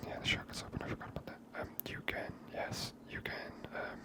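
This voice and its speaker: A host whispering an ASMR game commentary in a hushed, unhurried way, musing aloud close to the microphone. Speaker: gaming video host.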